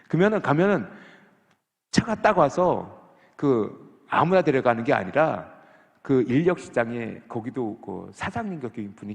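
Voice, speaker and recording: A man's voice: medium pitch, creaky. A man preaching a sermon as a pastor, questioning the congregation and acting out people's complaints. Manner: animated, asks the congregation questions, acts out complaints. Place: church sanctuary. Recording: long reverb of a church hall.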